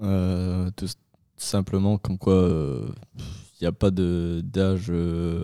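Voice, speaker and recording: A man's very deep, low voice with a dark, mellow tone and fairly even intonation, in a dry, close, very clean recording with no echo and a silent background. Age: 20s. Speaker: accounting assistant. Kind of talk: interview. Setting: studio. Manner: halting.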